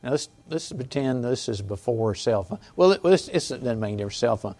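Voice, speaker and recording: Halting conversational male pastor preaching. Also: mid-range voice, lively intonation, mellow. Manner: conversational, halting with restarts and asides to the congregation; chuckles between points. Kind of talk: sermon. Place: church sanctuary.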